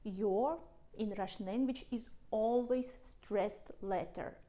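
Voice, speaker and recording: A woman teaches beginners in an unhurried lesson. She speaks very slowly and spells out and repeats each word so learners can follow. Her pitch sits in the middle range. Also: dark tone. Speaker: Russian teacher. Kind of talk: slow language lesson.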